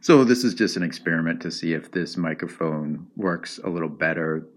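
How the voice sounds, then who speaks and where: A man with a deep voice hosting a casual solo podcast, rambling with ums and restarts, recorded on an iPod's built-in microphone at home. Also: normal speed. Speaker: podcast host. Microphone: iPod built-in microphone.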